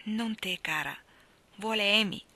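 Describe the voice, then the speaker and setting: Storybook role: woman doing a calm, gentle mother, soft-spoken, bright tone. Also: medium pitch, measured pace. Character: gentle, patient mother of four girls.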